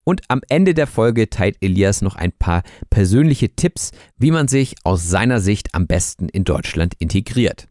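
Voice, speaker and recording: A male podcast host introduces the episode and asks questions in a clear, measured, teacherly way. His voice sits somewhat low. The sound is close and dry, with no room around it. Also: big pitch swings, a little mellow, no echo. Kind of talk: podcast hosting and interviewing.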